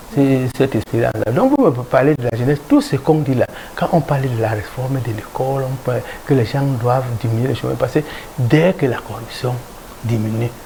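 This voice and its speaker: There is noticeable background noise behind this man. He talks at a medium pitch and a moderate pace. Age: 60s. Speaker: opposition politician. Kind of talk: televised political interview. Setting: TV studio. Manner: animated, halting with repetitions.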